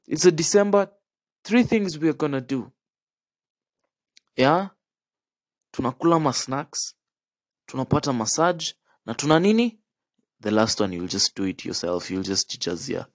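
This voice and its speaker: A young Kenyan-accented podcast host tells stories in a casual, animated monologue, chatting along, checking in with the listener and dropping Swahili slang. His voice sits on the high side, and the recording is dry.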